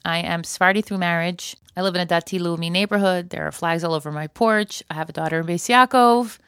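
A woman's voice: on the low side, brisk, a bit bright, smooth, dry recording, clean studio sound. A woman hosting a solo podcast in a chatty, conversational way, with wry, joking asides. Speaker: podcast host.

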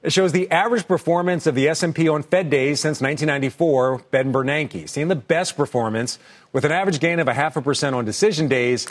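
A man's voice: a little high, quick pace. A man anchoring a financial news broadcast, presenting to viewers and putting questions to guests.

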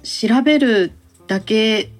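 A woman's voice: fairly high pitch, takes it slowly, faint music behind. A woman co-hosting a podcast in casual, conversational chat, readily agreeing as she talks. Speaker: podcast co-host.

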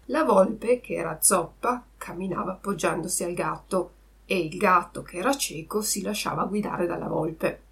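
A woman narrating a classic children's story aloud with expressive storytelling. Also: on the low side, normal speed, vocal fry.

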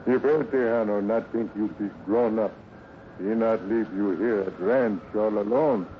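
An actor playing a loyal, gentle ranch hand who speaks earnest broken English with a foreign accent in a 1950s radio western. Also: male voice, on the low side, unhurried, natural voice. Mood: gentle, coaxing. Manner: broken pidgin grammar, earnest and soothing. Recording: muffled, noisy old radio recording.

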